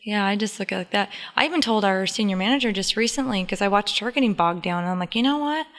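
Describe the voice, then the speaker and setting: Bright-voiced American woman in a reverberant space. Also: medium pitch, fast. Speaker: podcast co-host. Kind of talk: casual business advice chat.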